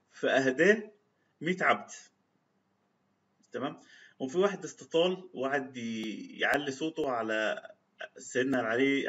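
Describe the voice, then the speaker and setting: A religious speaker with a medium-pitched, slightly bright voice and an Egyptian Arabic accent narrates old anecdotes and recites quotes in formal classical Arabic. His talk comes through on a somewhat dull lo-fi recording.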